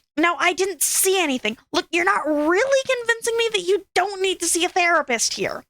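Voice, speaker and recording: A woman's put-on character voice, extremely high and hissing, at a moderate pace with hardly any pauses. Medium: read story. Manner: hissing, blunt.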